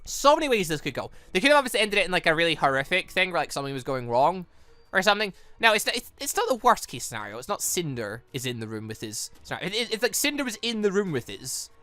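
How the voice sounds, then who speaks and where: A gaming channel host giving excited, rambling, exclamatory playthrough commentary, thinking aloud into a close microphone. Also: medium pitch, fast, no room sound.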